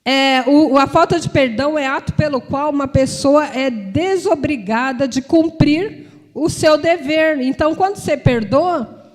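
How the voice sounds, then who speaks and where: A woman's voice: sits high, measured pace. A woman preacher and psychologist giving a conversational sermon, informal and repetitive, often checking in with her listeners. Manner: informal and repetitive, with frequent tag questions. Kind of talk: conversational sermon to a congregation and online viewers. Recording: long reverb from a large hall.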